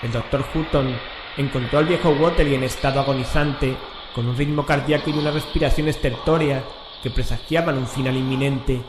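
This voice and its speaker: A man narrating a horror radio drama from a script in a measured, solemn, literary manner. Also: medium pitch, steady tone. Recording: echoey room, clear background noise.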